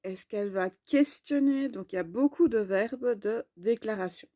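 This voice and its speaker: A woman teaching a grammar lesson in a slow, clear, explanatory way. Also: fairly high pitch, mellow, no echo, clean studio sound.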